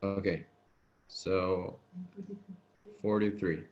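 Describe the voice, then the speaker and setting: A man with a low, a little mellow voice and a non-native English accent reads a scripture passage aloud to a study group over a video call. He goes extremely slowly in a steady tone, stumbling and repeating words, and the call audio is dull and lo-fi.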